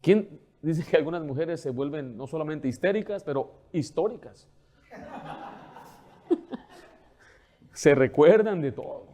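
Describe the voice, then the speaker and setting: A male pastor preaching a sermon. He asks questions and answers them himself, slows down to read scripture, and moves between soft asides and loud, urgent appeals. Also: a little high. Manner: swings from soft asides to loud, pressing exhortation.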